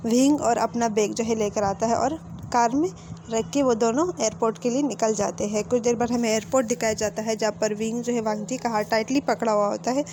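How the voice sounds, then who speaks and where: A woman storyteller recaps a romance story in plain chatty narration. Her voice sits slightly high but sounds mellow. A faint hiss runs beneath it. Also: steady tone, brisk. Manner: conversational, repeating "so he says" between quotes. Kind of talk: retelling a fan fiction story.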